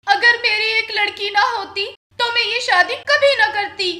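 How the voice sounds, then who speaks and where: A woman's voice: very high-pitched, measured pace, bright, forceful tone, echoey room, heavily acted. An actress playing a fed-up Haryanvi village wife and stepmother who scolds and wails, in a Haryanvi accent. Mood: complaining. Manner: scolding, wailing complaints.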